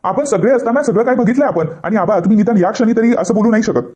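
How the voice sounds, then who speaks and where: A man reading the part of a furious young husband who shouts and accuses in a quick, high voice. He talks fast and never stops to breathe, and his tone is dark and mellow. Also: lightly acted. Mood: angry. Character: angry young husband, defensive son.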